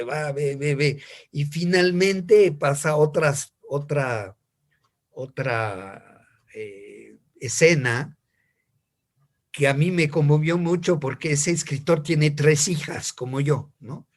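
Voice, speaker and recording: An older man, a native French speaker with a French accent, reflecting on personal stories in conversation and repeating words as he searches for them. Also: medium pitch.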